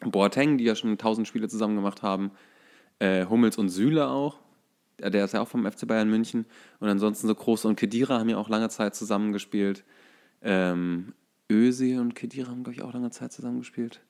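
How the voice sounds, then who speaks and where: Low-pitched German man, halting talker. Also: steady tone, darkish tone. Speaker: podcast co-host. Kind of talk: casual football chat.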